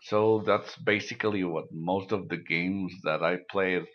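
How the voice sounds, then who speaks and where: A man from Mexico whose first language is Spanish, speaking English in a halting, measured way in a casual conversation. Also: sits low, steady tone, highs cut off. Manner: measured, halting recollection with restarts.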